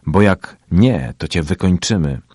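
A man's voice: low-pitched, expressive, unhurried, darkish tone, husky, dry recording, studio quality, exaggerated voice. A man voicing a menacing teenage male gang leader in an audiobook, mocking and threatening. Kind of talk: audiobook character voice.

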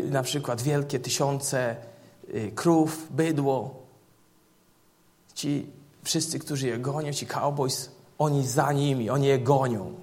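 Gravelly-voiced man preaching a sermon. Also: mid-range voice, darkish tone. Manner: illustrates points with vivid retold stories.

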